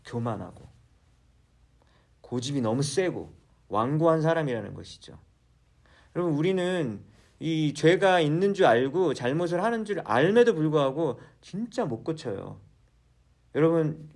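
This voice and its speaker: A man's voice: on the high side, darkish tone. A male pastor preaching a sermon in a church, asking the congregation questions and then answering them himself.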